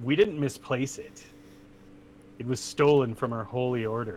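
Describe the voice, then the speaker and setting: A put-on, growling character voice from a man at a medium pitch, with ordinary pitch variation, big swings in loudness, and a moderate pace. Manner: snarling, curt, quick.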